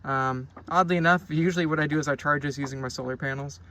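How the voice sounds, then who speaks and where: A man's voice: on the high side, fairly even intonation, quick pace, sharp tone, slight background noise. A man giving a casual, unscripted product review outdoors, rambling along in a laid-back, hesitant way. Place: outdoors on a boat on a lake.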